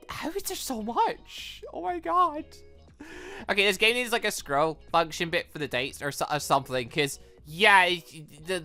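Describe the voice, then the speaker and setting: A video host giving casual, excitable, rambling commentary while playing a game. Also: medium pitch. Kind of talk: casual let's play commentary.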